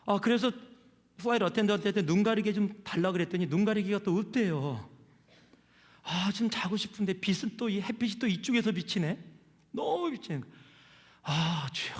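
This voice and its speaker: High-voiced pastor preaching in a hall. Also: male voice, animated, normal speed. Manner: conversational storytelling with questions to the congregation. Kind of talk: sermon. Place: church sanctuary.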